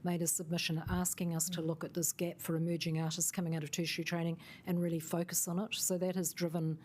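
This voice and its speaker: A woman officer answering councillors' questions in a measured, thoughtful way, with fillers. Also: fairly low pitch, flat delivery, a little mellow, slight background noise.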